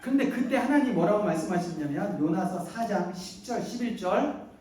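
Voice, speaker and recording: A male pastor preaching a sermon, animated and playful, often putting questions to the congregation. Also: sits high, moderate pace. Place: church sanctuary. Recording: echoey church hall, mic at a distance.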